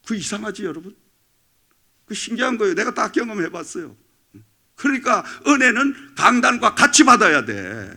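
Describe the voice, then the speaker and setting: A male pastor preaching a Sunday sermon, animated and calling out to the congregation for amens. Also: high-pitched, normal speed.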